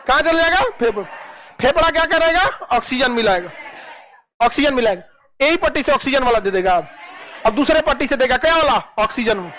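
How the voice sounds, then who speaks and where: High-voiced teacher quizzing class. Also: male voice, bright, forceful tone, a little hiss or hum, low-quality recording. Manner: asks questions and answers himself in a low aside; rustic colloquial asides. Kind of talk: classroom lecture with call-and-response.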